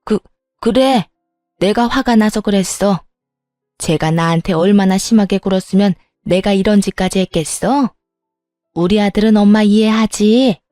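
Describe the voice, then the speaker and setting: A woman's voice: medium pitch, moderate pace, dark tone, no echo, clean studio sound, soft background music, natural voice. A woman voicing a brazen, self-pitying older mother-in-law. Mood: defensive. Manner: defensive, whining, stammering. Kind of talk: storybook dialogue reading.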